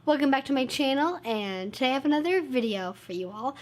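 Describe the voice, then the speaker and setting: Woman vlogger, congested and tired, earnest and reassuring, a touch high. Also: animated, fairly quick, a little mellow. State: congested, stuffed-up nose; low on energy. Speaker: YouTube channel host. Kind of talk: casual talk to camera.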